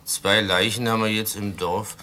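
A nosy blunt village drinker in a radio play, low sharp voice, folksy, slight noise behind. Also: male voice, fairly even intonation, moderate pace. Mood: grumbling. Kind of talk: German radio play acting.

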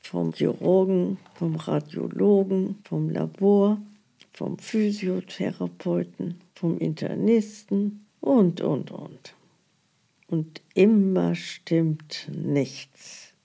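A woman's voice: lowish voice, drawn-out words, vocal fry, warm tone, exaggerated voice. An actress playing an aggrieved elderly woman in a radio play, complaining indignantly about her hardships. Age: older. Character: aggrieved elderly woman patient grumbling about bills and broken promises. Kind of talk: radio play, mock-documentary monologue.

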